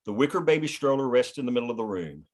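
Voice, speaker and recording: A man's voice: medium pitch, expressive, fast. A man reading scripted stage directions as the narrator of a screenplay table read.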